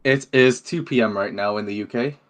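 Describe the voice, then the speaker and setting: A man's voice: fairly low pitch, a little fast. A man, talking casually as an interview guest. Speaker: interview guest, game developer. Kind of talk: casual chat.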